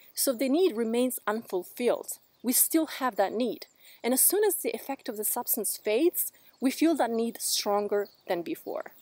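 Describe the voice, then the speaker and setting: In an Italian accent, a woman talks at a moderate pace in a high voice with a dark, mellow tone and lively intonation. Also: dry sound with no echo. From Italy. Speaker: video creator explaining addiction. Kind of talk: educational monologue. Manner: explanatory, slightly hesitant with fillers. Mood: calm, earnest. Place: garden. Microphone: phone near.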